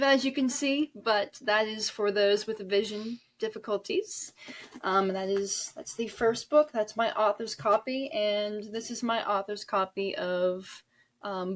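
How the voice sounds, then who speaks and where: Woman, twenties, interview guest. Thoughtful, halting delivery, feeling for each phrase. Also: medium pitch, a bit bright. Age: 20s. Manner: halting, searching for words. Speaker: guest author and audio drama creator. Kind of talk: reflective interview talk.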